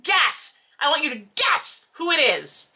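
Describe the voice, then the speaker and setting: A woman's voice: high voice, very animated, unhurried, sharp tone. A woman hosting a casual read-along, giving mocking, exasperated commentary on a novel with sarcasm and some swearing. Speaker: host reading a novel aloud with commentary.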